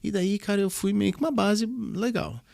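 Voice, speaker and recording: A man's voice: high voice, moderate pace, gravelly, a little mellow, dry recording, studio quality. A man who leads a church youth ministry, chatting as a podcast guest and telling stories animatedly, often restarting his words. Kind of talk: casual interview chat.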